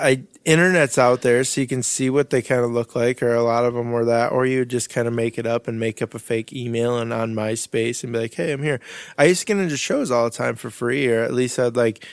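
A man at a medium pitch, very fast pace and fairly even intonation, with a dry, close sound and no echo. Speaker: photographer. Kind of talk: casual chat. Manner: swears often, laughs a lot, casual.

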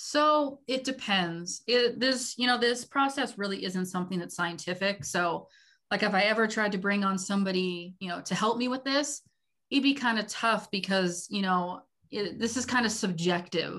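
Against a quiet background, a woman with a bright, sharp tone speaks at a medium pitch and moderate pace with ordinary pitch variation. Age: 30s. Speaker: small business owner, candle maker. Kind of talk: interview.

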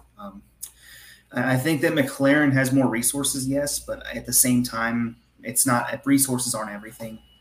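At a moderate pace, a man with a medium pitch talks with fairly even intonation and big swings in loudness, noticeable background noise behind him. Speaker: podcast host. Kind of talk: casual chat about motorsports.

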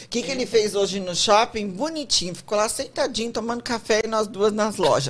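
A woman talks at a fairly quick pace with hardly any pauses. Her fairly high voice has lively intonation. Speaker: talent agent and influencer matriarch. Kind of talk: casual chat.

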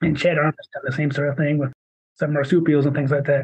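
A man talks in a fairly high, somewhat breathy voice. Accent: American. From US Midwest. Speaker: geologist. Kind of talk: interview.

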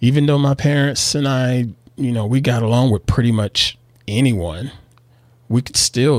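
A man's medium-pitched voice with ordinary pitch variation, the sound dry and close with no echo. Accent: Southern US. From US South. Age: 40s. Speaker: photographer and podcast host. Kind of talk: personal statement.

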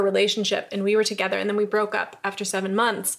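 Here is a woman with a New York accent and a fairly high pitch. She talks at a very fast pace. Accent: American (New York). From upstate New York. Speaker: interiors brand founder. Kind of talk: casual chat.

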